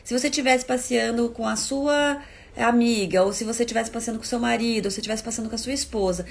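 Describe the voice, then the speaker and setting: A woman talking casually to her viewers about parenting, lively and expressive, acting out everyday phrases in her own voice. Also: a little fast, vocal fry. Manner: expressive, acts out quoted lines in higher voices. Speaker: parenting educator. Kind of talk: casual talk to viewers, live stream.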